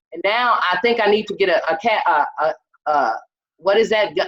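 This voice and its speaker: Here a woman speaks with an American accent and an unremarkable speaking voice. Her medium pitch shows ordinary variation. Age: 50s. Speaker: comedian. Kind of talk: stand-up. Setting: video call.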